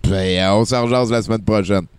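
A man with a Quebec French accent hosting a radio show, chatting in a relaxed way with many hesitations. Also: fairly low pitch, brisk, clear, resonant tone, dry recording. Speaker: radio host. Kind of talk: casual radio chat.

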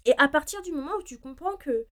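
A woman hosting a personal development show, talking informally and emphatically to listeners, swinging between loud and soft and dropping English phrases into her speech. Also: high voice, lively intonation, brisk. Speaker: personal development podcast host. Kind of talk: casual motivational monologue, informal address to listeners.

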